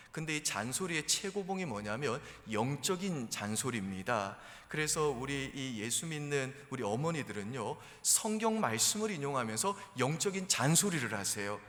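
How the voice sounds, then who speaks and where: A man's voice: medium pitch, a bit bright. Male pastor preaching in an echoey church. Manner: conversational, storytelling preacher with mimicked voices. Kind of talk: sermon. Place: church sanctuary. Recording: reverberant church hall.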